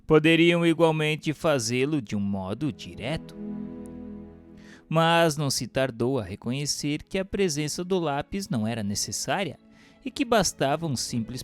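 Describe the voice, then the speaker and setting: A man narrates a formal text in a measured, deliberate way. His voice sits a little high and rises and falls in wide, lively swings. Soft music plays faintly beneath the reading. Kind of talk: scripted reading of a spiritist book.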